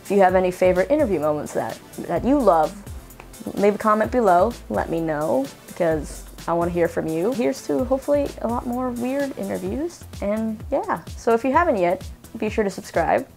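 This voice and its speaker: A woman in her thirties hosting an interview channel, narrating in a chatty, self-deprecating way with a low, slightly mannish voice. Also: expressive, normal speed, gravelly, mellow, soft background music. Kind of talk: casual video narration.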